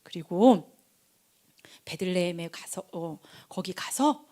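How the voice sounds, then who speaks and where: A woman's voice: lowish voice, slow pace. A middle-aged woman, a junior pastor, giving a chatty sermon to children at a night prayer meeting and talking to them directly. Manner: lively, chatty, switching between polite and casual speech to the kids.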